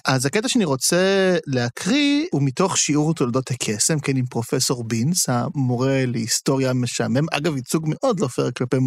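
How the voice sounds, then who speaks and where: A man's voice: mid-range voice, lively intonation, hardly any pauses, no echo, studio quality. A young man co-hosting a casual book-discussion podcast, talking animatedly and reading passages aloud with emphasis. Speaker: podcast co-host.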